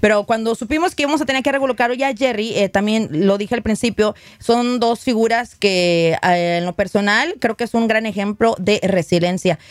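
A woman's voice: medium pitch, brisk, hardly any pauses, no echo, studio quality. A woman hosting a radio interview, chatty and upbeat, with many fillers. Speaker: radio host.

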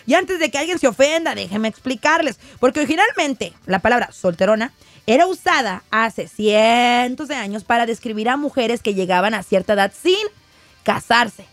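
A woman's voice: fairly high pitch, expressive, moderate pace, no echo. A woman in her thirties with a Mexican accent, co-hosting a casual chat show, playful and laughing, often stammering. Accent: Mexican Spanish. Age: 30s. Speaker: radio co-host.

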